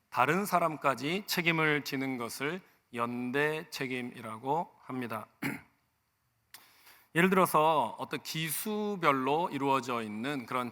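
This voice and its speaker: A male senior pastor preaching a sermon, talking conversationally with personal stories and switching between soft asides and loud emphasis. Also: mid-range voice. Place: church sanctuary. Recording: long church reverb.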